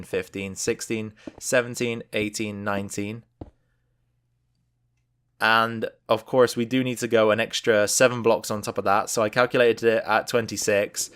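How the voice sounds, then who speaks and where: A man's voice: lowish voice, level tone, normal speed, fairly bright tone, clear, resonant tone. A man giving casual gameplay commentary as a let's play host, thinking aloud and explaining each step as he goes.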